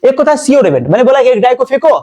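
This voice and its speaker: A man's voice: very high-pitched, big pitch swings, rapid-fire, mellow. A man teaching a maths class, repeating himself and quizzing his students as he explains. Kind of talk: classroom lesson.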